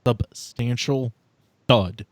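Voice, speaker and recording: Low-voiced man running a tabletop game. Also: drawn-out words, no room sound. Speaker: game master. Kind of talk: narrating a tabletop role-playing game.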